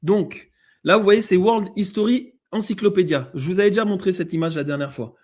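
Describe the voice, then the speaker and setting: A man's voice: high-pitched, fairly quick, darkish tone. A man with an accent, a guest on a show, explaining slides and reading passages aloud, with many fillers and restarts. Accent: non-native-sounding accent in French. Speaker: guest presenter.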